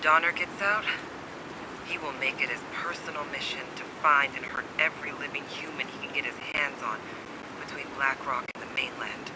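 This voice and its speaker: A man's voice: medium pitch, fairly even intonation, moderate pace, heavy background noise, natural voice. A man playing a wary, secretive survivor in a video game, terse, guarded and cynical, with blunt urgency. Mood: agitated. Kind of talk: dramatic video game acting.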